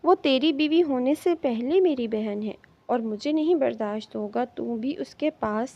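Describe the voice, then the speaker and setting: A woman's voice: sits high, highs cut off. A woman reading the lines of a mocking, provoking young army major in an audiobook. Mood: teasing. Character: teasing young army major, a protective brother.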